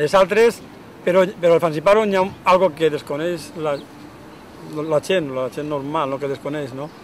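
Recorded dry with no echo and light background noise, a man talks at a fairly slow pace in a fairly high pitch with ordinary pitch variation. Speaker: aid volunteer in Africa. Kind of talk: interview testimony. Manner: halting. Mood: earnest, concerned. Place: open country.

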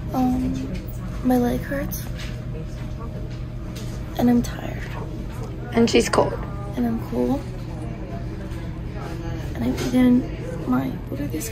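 A woman's voice with long, frequent pauses and clear music in the background. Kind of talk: casual vlog chat. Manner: groggy, slow, weak post-anesthesia speech.

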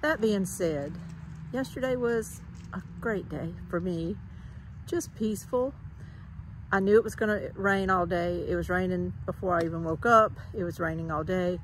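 A somewhat breathy woman at a moderate pace, ordinary pitch variation, long, frequent pauses, light background noise and a dry sound with no echo. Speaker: homestead gardening vlogger. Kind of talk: casual vlog chat. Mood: calm, chatty, occasional laughs. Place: garden. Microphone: phone near.

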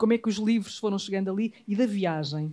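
A woman's medium-pitched voice, dark and mellow in tone, over a quiet background. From Portugal. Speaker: writer, moderator; moderator. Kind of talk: panel discussion. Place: hall. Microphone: handheld.

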